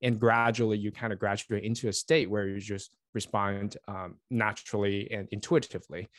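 A network engineer and author in his forties joins a casual interview remotely as the guest, chatting in a warm, meandering way with lots of fillers and false starts. Raised in Taiwan and a native Chinese speaker, he has a voice on the low side with a steady tone and normal speed. The recording is dry and studio-clean.

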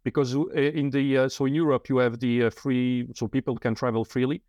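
A man's voice: medium pitch, level tone, a little fast, darkish tone, no room sound. A man, a guest in an interview, talking casually and thoughtfully with frequent fillers and restarts.

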